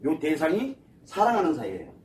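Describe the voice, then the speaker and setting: A man's voice: fairly high pitch, sing-song, a little fast, darkish tone, recorded from a distance, slight background noise. A man giving a psychology lecture to an audience, asking rhetorical questions and answering them himself.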